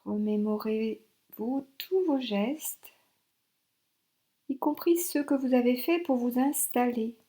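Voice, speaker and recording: Female meditation guide, fairly high register, warm relaxed timbre, short spaced-out instructions. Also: takes it slowly. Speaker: yoga nidra instructor.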